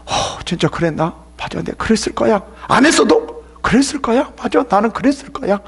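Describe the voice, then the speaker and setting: A pastor acting out an anxious believer who blames himself and pleads for forgiveness, with a gravelly voice. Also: male voice, high voice, lively intonation, brisk, fairly bright tone, pitched above the performer's own voice, heavily acted. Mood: fretful. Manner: pleading, fretful, trailing off into whispers. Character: anxious self-blaming believer admitting guilt.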